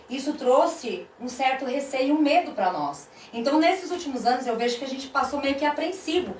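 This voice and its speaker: A woman with a Brazilian accent hosting a talk show conversationally, acting out remarks as she tells them. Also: medium pitch. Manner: chatty, acts out quoted remarks. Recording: echoey room, distant mic, background noise.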